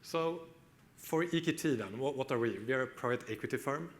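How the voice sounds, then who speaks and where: A man's voice: mid-range voice, a little fast. A man with a Swedish accent presenting at a tech conference, explaining steadily with some fillers, on a stage microphone. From Sweden. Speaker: conference speaker. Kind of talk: conference talk.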